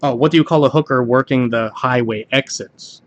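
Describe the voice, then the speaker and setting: A man's voice: medium pitch, normal speed, dull audio. A man reads party jokes aloud in a casual way, hosting a home video and sometimes stumbling over the text and rereading lines.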